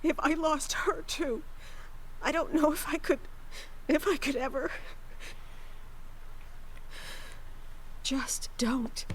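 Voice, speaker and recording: An actress playing a worried, protective mother in a video game, gentle but firm and earnest. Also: sits high, unhurried, slight background noise, rough recording. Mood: anxious pleading.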